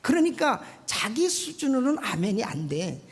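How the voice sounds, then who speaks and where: A pastor from Korea delivers a sermon with a gravelly, husky voice. The pitch swings widely as they keep prodding the listeners with quick questions. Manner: animated, keeps prodding the congregation with quick questions.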